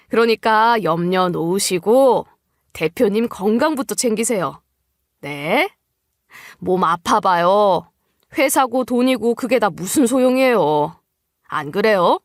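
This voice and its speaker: A woman's voice: mid-range voice, no echo, studio quality. A woman voicing a confident young male junior colleague, reassuring and deferential, in an audio story.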